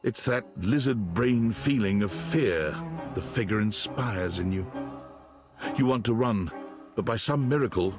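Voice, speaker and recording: A man's voice: on the low side, expressive, a little slow, music in the background. A man playing a wry, dramatic narrator, reading scripted narration for a video game. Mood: ominous, wry.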